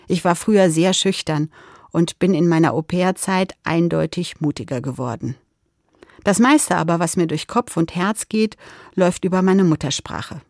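A German-speaking woman reading a calm, personal spiritual reflection for radio. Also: lowish voice, vocal fry, no echo, clean studio sound.

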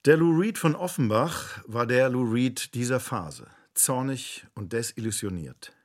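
A man reading scripted narration for a radio play in a measured, literary way. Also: medium pitch, expressive.

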